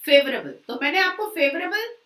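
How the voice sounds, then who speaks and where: A woman's voice: sits high, very animated, normal speed, bright, forceful tone. An Indian woman teacher giving a live online revision lecture, switching between Hindi and English, often checking in with students and drawing out key words for emphasis. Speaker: commerce exam teacher. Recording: echoey, from a distance.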